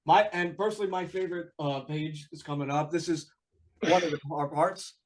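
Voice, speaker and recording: A man's voice: on the high side, fairly even intonation, brisk, rough recording. An American man hosting an interview, an eager fan who often stumbles over his words. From United States. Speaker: podcast host. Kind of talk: casual interview.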